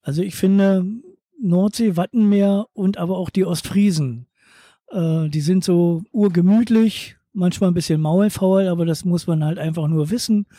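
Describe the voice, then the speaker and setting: A man from eastern Germany talks about his beach bar at an unhurried pace. His voice sits a little high but sounds mellow and soft-edged. The recording is dry and close, with no room sound. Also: no echo. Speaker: beach bar and holiday flat owner. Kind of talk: interview answers.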